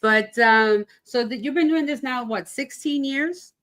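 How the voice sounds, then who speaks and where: A woman's voice: sits high, a little slow, fairly bright tone. A woman from New York hosting a casual livestream interview, chatty and rambling, laughing often. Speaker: podcast host. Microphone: video call livestream.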